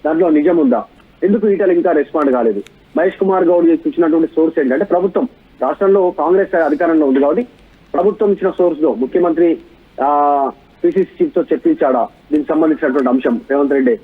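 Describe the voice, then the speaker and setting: A man's voice: fairly high pitch, quick pace, husky, narrow, tinny audio. A man giving unscripted live news analysis, building points through repeated lists and rhetorical questions.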